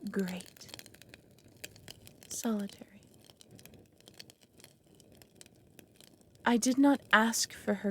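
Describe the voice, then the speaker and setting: A woman's voice: medium pitch, a little mellow, slight background noise. A woman playing an ancient, proud and lonely dragon, speaking solemnly in a dramatic audio roleplay. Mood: bitter, exasperated. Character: ancient lonely female dragon, proud, brooding, reluctant foster mother.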